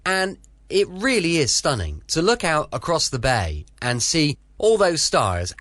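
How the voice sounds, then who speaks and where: A man from the UK hosting a podcast from home, relaxed and chatty. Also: on the high side, no echo. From United Kingdom. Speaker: host. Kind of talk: casual podcast introduction.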